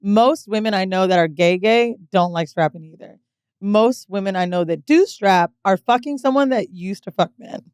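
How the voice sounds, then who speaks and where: A woman co-hosting a podcast, playful and chatty, asking the guest questions with quick asides. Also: mid-range voice, a little mellow, clear, resonant tone, no room sound, studio quality. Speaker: podcast co-host. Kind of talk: casual podcast banter.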